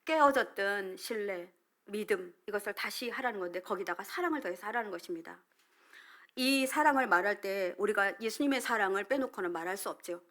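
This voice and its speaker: A middle-aged woman pastor giving a sermon with a personal testimony, moving between loud emphasis and hushed whispered asides. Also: medium pitch, animated, brisk.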